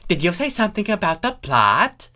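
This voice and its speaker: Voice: mid-range voice, sing-song, moderate pace, bright, forceful tone, voice pushed up. A reader plays an earnest young male changeling in a comic pony tale. The voice sits well above normal speech and lilts up and down, agreeable, gullible and hesitant. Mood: curious. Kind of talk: comic fan fiction reading.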